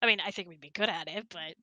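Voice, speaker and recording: A giggly, chatty woman hosting a casual hangout, telling anecdotes and answering questions in an animated way. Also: fairly low pitch, fast talker, no echo, dull audio. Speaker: host of a couple's online hangout.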